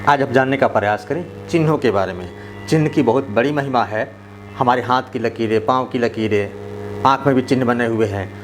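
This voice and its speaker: A male teacher explains punctuation in a measured, patient way, dragging out his example sentences so the pauses can be heard. His voice sits at an ordinary middle pitch. A soft hum sits faintly behind him. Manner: slow, deliberate delivery, stretching out example sentences. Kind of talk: grammar lesson for parents and teachers.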